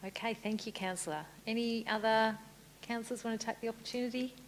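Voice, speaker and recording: A woman serving as mayor and chairing a council meeting, moving briskly through formal procedure with light good humour. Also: on the high side, fairly even intonation, slight background noise. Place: council chamber.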